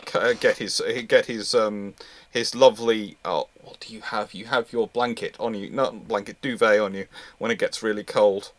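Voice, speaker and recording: A man's voice: on the low side, fairly even intonation, normal speed, no echo. Man hosting, dry close sound. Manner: hesitant, repeats and restarts phrases. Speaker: host of a live naval history question-and-answer show. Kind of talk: casual unscripted question-and-answer talk.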